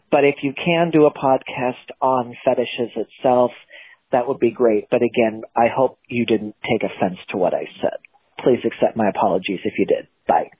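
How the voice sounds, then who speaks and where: A man's voice: medium pitch, husky, no room sound. A man leaving a voicemail over the phone in an apologetic, polite way. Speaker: voicemail caller. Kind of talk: casual voicemail message. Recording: tinny, narrow phone voicemail.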